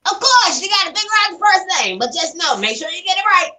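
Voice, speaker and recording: A woman's voice: extremely high pitch, big pitch swings, quick pace, bright, forceful tone, voice pushed up, full character voice. A woman voicing a chirpy, vain young man who boasts that he is the cute and smart one.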